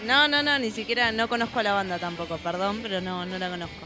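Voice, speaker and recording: A woman producer joins a live broadcast with a bright, sharp-edged voice at a middling pitch. She speaks softly and apologetically in casual back-and-forth. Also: fairly even intonation, fast talker, soft background music. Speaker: show producer. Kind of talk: casual on-air chat. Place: live music venue.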